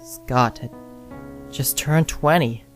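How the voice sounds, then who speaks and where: Narrator for a first-person tale: unhurried, pausing often between phrases, with soft instrumental music underneath. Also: medium pitch. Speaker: story narrator. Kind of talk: scripted first-person scary story narration. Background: music with guitar and piano.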